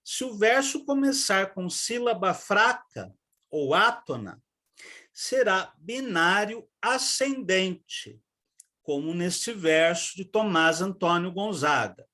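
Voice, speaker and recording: A poetry teacher with a Brazilian Portuguese accent talks through verse rhythm at a very unhurried pace. The pitch moves a lot, rising and falling as lines are recited and stresses are marked out. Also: animated, sharp tone. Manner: slow, measured recitation with stressed syllables. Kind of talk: online class, reading poems aloud.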